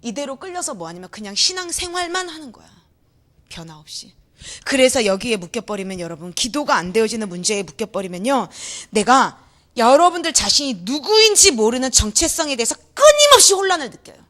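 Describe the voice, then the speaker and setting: A young adult woman preaching an energetic sermon in a church hall, acting out voices, shouting and laughing as she talks. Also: on the high side, brisk. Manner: animated, acts out quoted voices, shouts and laughs.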